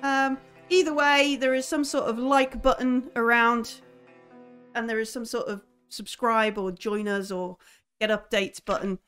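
A woman's voice: fairly high pitch, steady tone, unhurried, a bit bright, smooth, faint music behind. Chatty woman closing a stream. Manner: chatty, lots of ums. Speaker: game master and stream host. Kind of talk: casual stream outro chat.

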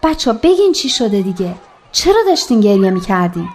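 An actress playing a loud, emphatic young woman who cheers up her friends in a radio drama. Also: medium pitch, sing-song. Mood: earnest.

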